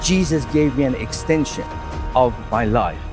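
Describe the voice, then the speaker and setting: A man's voice: medium pitch, normal speed, music in the background. A man giving a fervent, emotional religious testimony. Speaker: church member giving testimony.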